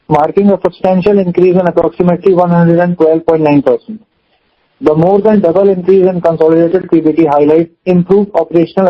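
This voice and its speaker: A man with an Indian accent formally reading out scripted financial results as a company executive on an earnings call. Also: on the high side. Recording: dull, lo-fi conference call audio.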